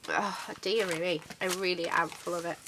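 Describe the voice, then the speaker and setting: A woman's voice: fairly low pitch, steady tone, normal speed, noisy background. A middle-aged woman with a cold, chatting casually and rambling as she shows a craft magazine on her channel. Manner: chatty, rambling, many fillers. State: congested from a cold. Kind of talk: casual chat showing a magazine.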